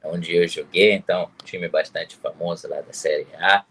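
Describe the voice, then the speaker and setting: A man's voice: low voice, steady tone, normal speed, a bit bright, slightly rough. A man from Italy with an Italian accent, speaking a second language casually as an interview guest. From Pisa, Tuscany, Italy. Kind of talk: casual introduction in an online interview.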